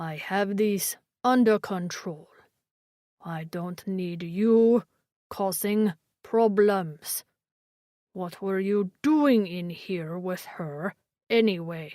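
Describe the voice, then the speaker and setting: A put-on character voice, female-sounding and middle-pitched, at a very slow pace with long, frequent pauses, over a very clean recording with a silent background. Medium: read story. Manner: commanding.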